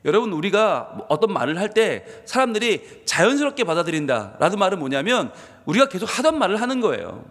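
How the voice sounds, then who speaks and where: A man's voice: high voice, big pitch swings, a little fast, hardly any pauses, fairly bright tone. A man preaching an early-morning sermon as pastor, asking his congregation questions as he goes. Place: church sanctuary. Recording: long church reverb.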